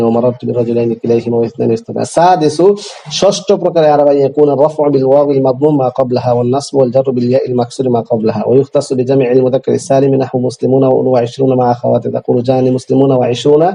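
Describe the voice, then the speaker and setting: A man's voice: mid-range voice, level tone, rapid-fire, gravelly, mellow, rough recording. A man teaching an Arabic grammar class, reading Arabic text and explaining it in Bengali with quiz-style questions to students.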